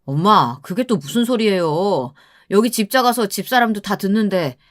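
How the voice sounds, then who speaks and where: A woman's voice: medium pitch, animated, moderate pace, no echo, clean studio sound, close to an everyday voice. A woman voicing a mild young husband who politely pleads with his mother. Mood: pleading.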